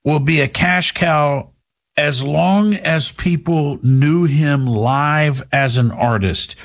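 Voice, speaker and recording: A man in his fifties hosting a talk show, speaking in a measured, reflective way with frequent restarts. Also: on the high side. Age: 50s. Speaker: host.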